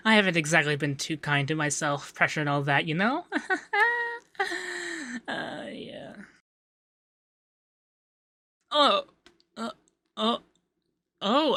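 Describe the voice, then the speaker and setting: Guy doing a flustered coy femboy for asmr, really bright voice, stammers a lot, soft breathy bits. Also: sits high, no room sound, exaggerated voice. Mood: flustered, shy. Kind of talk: intimate ASMR roleplay.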